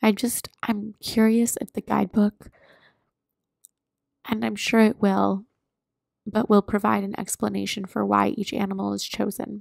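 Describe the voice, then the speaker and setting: Soft-spoken delivery at a moderate pace, broken by long, frequent pauses. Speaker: tarot reader. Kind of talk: ASMR soft-spoken tarot deck flip-through.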